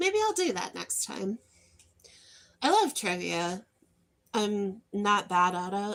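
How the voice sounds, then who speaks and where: Here a woman talks with an American accent. Her pace is very slow, broken by long, frequent pauses. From Western New York, US. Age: 40s. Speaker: livestreamer. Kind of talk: casual livestream chat. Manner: chatty, rambling casual.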